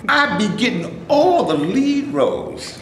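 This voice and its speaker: Man doing an indignant, boastful black actor, very high voice, lively pitch, echoey hall. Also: takes it slowly, exaggerated voice. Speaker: actor in a staged reading. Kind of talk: staged play reading. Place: stage before a live audience. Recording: very echoey room, faint noise.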